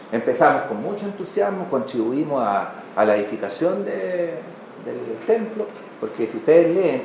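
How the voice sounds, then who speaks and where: A man's voice: mid-range voice, a little mellow. A man with a Chilean accent preaching a sermon, telling stories and putting rhetorical questions to his congregation. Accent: Chilean Spanish. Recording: echoey room with faint background noise.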